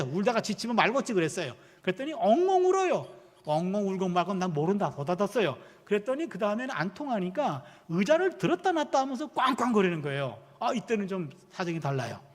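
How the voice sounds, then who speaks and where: A man's voice: sits high, quick pace, few pauses. A man in his fifties, a pastor and professor, preaching a sermon full of personal stories and acting out the dialogue. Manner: animated storytelling, acting out quoted dialogue. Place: church sanctuary. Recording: long reverb of a church hall.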